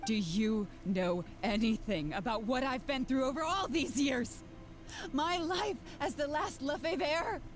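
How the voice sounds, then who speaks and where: A woman's voice: high-pitched, a little slow, faint music behind. An actress voicing a cornered, theatrical young woman villain in a video game, bitter and cackling.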